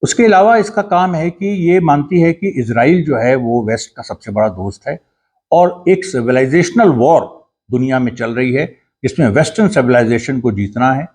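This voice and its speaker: A man with a husky, slightly rough voice talks through a political commentary in an earnest, explanatory way. He pauses, backs up and restarts his sentences as he goes. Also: mid-range voice, darkish tone. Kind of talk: casual commentary monologue.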